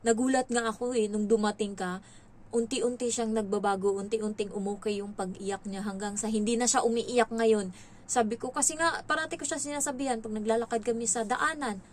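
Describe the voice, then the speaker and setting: A woman from the Philippines working as a domestic helper, telling stories in a casual, animated vlog and acting out what others said. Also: on the high side, a little fast, slight background noise. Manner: chatty, animated, quotes others in raised voices.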